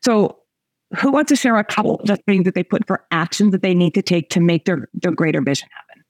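A woman's voice: fairly low pitch, expressive, brisk, darkish tone, dry recording. A woman in her forties giving a motivational coaching talk to a group, chatty and emphatic, laughing often and speaking straight to her listeners. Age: 40s. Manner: chatty, laughing, emphatic, addresses audience directly. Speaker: coach and host.

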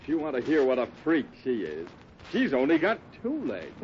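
A man's voice: medium pitch, huge pitch swings, normal speed. A man playing a good-natured, folksy cowboy straight man in a 1950s radio Western. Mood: bemused, good-natured. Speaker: cast announcer and straight man. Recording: muffled noisy 1950s radio broadcast.

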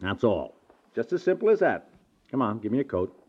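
An actor playing an exasperated, stubborn but affectionate husband in a 1950s radio domestic comedy, with an American accent and an emphatic, scolding way of talking. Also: male voice, mid-range voice, sing-song, a little fast, darkish tone, slightly rough. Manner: scolding, emphatic, stammers when flustered. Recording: dull band-limited 1950s radio recording.

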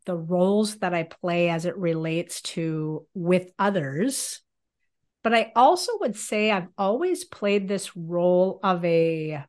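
A woman in her fifties from Minnesota with a Minnesota accent, chatting casually as a podcast guest, laughing often and restarting phrases. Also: lowish voice. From Minnesota, USA. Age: 50s. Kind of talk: casual interview conversation.

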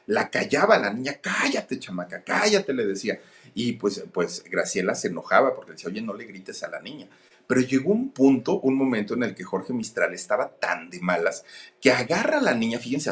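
Chatty guy telling gossip, lowish voice, swoops around a lot. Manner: chatty, addresses listeners directly with asides. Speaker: storytelling host. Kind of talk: casual gossip storytelling.

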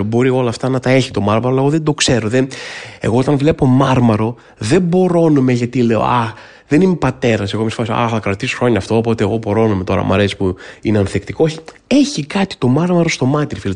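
A man hosting a podcast, telling a funny personal story in a comic monologue and acting out the voices in his head. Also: mid-range voice. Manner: animated storytelling, acts out inner voices. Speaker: podcast host.

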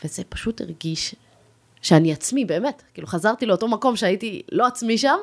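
A woman's voice: medium pitch, lively intonation, a little hiss or hum. A woman in her thirties, a guest on a casual podcast interview, telling her story in an enthusiastic, chatty way. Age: 30s.

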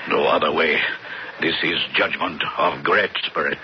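An actor playing a devout, solemn Native American man who speaks slow broken English in a radio drama. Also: a bass voice, steady tone. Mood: solemn awe. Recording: muffled, faintly noisy old radio recording.

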